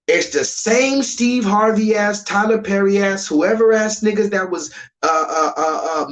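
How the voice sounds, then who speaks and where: A man ranting on a live stream, profane and rambling, jumping between loud high outbursts and low muttered asides. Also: rough recording. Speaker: livestreamer.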